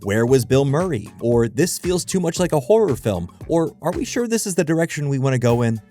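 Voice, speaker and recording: Male essayist with a mellow voice and expressive swings in pitch; dry wit, conversational scripted read, faint music bed. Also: brisk. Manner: wry, conversational, dryly humorous asides. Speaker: video essay narrator. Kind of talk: scripted video essay narration. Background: background music.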